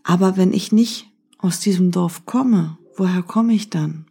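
A woman's voice: on the low side, measured pace, gravelly, mellow, slightly rough, exaggerated voice. A rude, bewildered village man, read by a woman. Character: rude grown man, confused and pleading.

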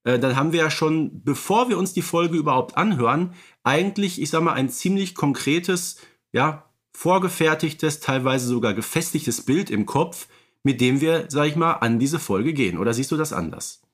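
A man's voice: a little high, lively intonation, moderate pace. Thoughtful man musing in a fan podcast. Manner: thoughtful, hedging with "ich sag mal", asks his co-host questions. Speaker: podcast co-host. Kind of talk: casual fan podcast discussion.

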